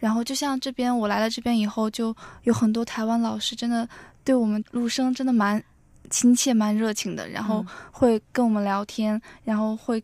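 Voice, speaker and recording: A woman speaks at a moderate pace in a monotone, flat intonation, the sound dry with no echo and the background quiet. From northern mainland China. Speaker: exchange student; radio guest. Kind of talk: interview. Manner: hesitant, many fillers. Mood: friendly, relaxed. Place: studio. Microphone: studio mic.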